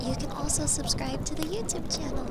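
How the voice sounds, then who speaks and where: A woman creator speaking softly and lightly in a casual thank-you outro to her viewers. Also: sits high, brisk, very noisy. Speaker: roleplay audio creator.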